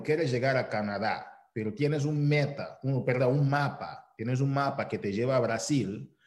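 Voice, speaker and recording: A man's voice: mid-range voice, darkish tone. Upbeat man hosting, echoey sound. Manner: upbeat, announcer-like introductions. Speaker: host of a weekly call. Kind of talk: introducing a guest speaker.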